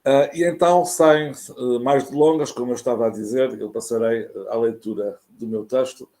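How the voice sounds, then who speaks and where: A man with a European Portuguese accent giving a formal academic lecture over a video call, speaking in a careful, measured way as a university professor. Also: mid-range voice, steady tone, warm tone. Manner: measured, careful, formal delivery with hesitations when speaking off text. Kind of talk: academic lecture read from a prepared text.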